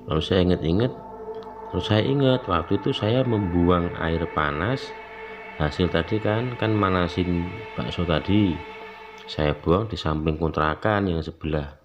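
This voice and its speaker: A man's voice: low voice, measured pace, music in the background. A man tells a true ghost story casually in the first person and acts out the quoted voices. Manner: chatty, acts out quoted voices with rising excitement. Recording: slightly dull lo-fi sound, faint background noise.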